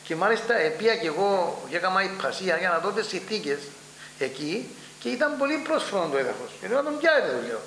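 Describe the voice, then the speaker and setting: An older man with a Cypriot Greek accent, recalling past events in an oral history interview and acting out the dialogue as he tells it. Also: high-pitched. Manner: animated storytelling, acts out dialogue. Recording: echoey room with faint hum.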